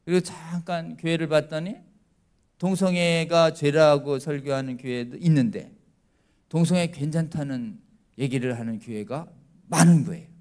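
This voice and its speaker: A middle-aged lawyer speaks at a church prayer meeting, giving a lecture in a slightly high voice at normal speed. He keeps asking the congregation questions, acts out quoted voices, and swings between loud and quiet.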